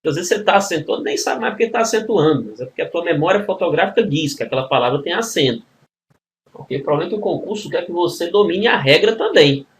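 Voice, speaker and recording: A male grammar teacher with a Brazilian Portuguese accent, voice sitting a little high, explaining exam questions step by step. He keeps checking in with his students as a group while he works through each rule. A faint hiss of noise sits behind him. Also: lively intonation, fast talker. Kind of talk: recorded exam-prep video lesson.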